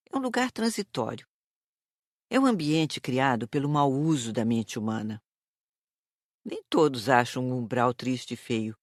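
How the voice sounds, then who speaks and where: A man with a Brazilian accent playing a serene spirit instructor who explains in clear declarative statements for an audiobook. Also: mid-range voice, dry recording, studio quality, close to an everyday voice. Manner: didactic, declarative. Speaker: audiobook voice actor. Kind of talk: audiobook dramatised reading.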